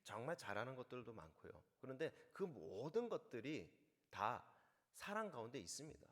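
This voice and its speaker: A male pastor preaching a sermon in a storytelling manner, slowing down to weigh quoted words. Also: mid-range voice, very animated, long reverb tail.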